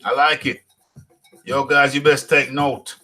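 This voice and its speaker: A man's voice: mid-range voice, little pitch movement, unhurried, pushed and bright, faint music behind. A man hosting a live boxing talk stream, repeating phrases, joking and hyping his viewers. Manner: repeats phrases, hypes viewers, jokes around. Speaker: boxing talk show host.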